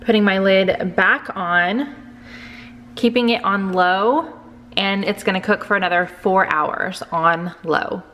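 A woman's voice: mid-range voice, a bit bright, slight background noise. A woman in her thirties hosting a cooking vlog in her home kitchen, chatty and upbeat as she talks viewers through each step. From United States. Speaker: cooking channel host. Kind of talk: casual cook-along vlog. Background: dishwasher running in the background.

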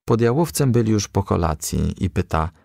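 A man reading a children's story aloud as a scripted narration, in an expressive, measured storytelling manner. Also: fairly low pitch, gravelly, no room sound, studio quality. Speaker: audiobook reader.

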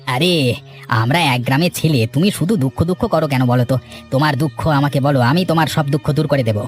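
A man's voice: medium pitch, fairly quick, faint music behind, natural voice. A man voicing a two-faced, ambitious cartoon villager, sly and eager, who swindles his neighbours. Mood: falsely reassuring. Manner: smooth-talking, sly, eager. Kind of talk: dramatic cartoon voice acting.

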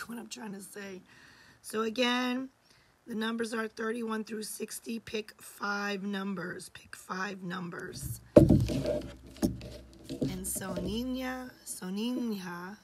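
A woman in her forties hosting a live jewelry sale from a home studio, hoarse from losing her voice and often dropping to a whisper, chatty and affectionate. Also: mid-range voice, very noisy. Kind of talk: live-stream sales chat.

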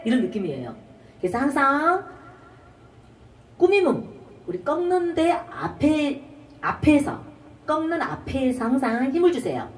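Unhurried and prone to long pauses, a high-pitched woman with wide pitch swings teaches trot singing, covering breathing and ornaments. She shows lines by singing short phrases and belting short shouts, recorded off-mic from a distance in an echoey room.

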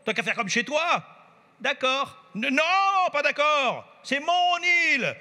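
A man's voice: very high voice, big pitch swings, takes it slowly, long reverb tail, pitched above the performer's own voice, exaggerated voice. A man voicing a cheeky, insolent little girl who bosses and mocks, reading his own play aloud. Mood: indignant. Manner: mocking, bossy, bursts into shouts.

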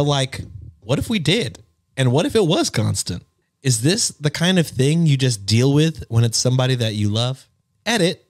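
A man co-hosting a podcast, reading a post aloud and then chatting casually, often trailing off low.

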